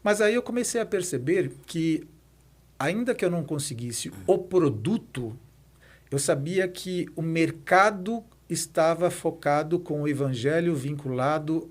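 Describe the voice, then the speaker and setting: A slightly high-voiced Brazilian man in his fifties is a guest on a podcast, where he serves as president of a nonprofit institute. He gives conversational interview answers and tells personal stories.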